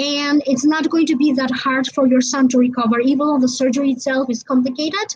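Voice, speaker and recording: A woman with a non-native accent talks very fast at a high pitch, with hardly any pauses. Her loudness stays very even and her intonation fairly even, with noticeable background noise behind her. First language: not English. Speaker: psychic reader. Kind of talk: live reading. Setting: livestream. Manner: halting.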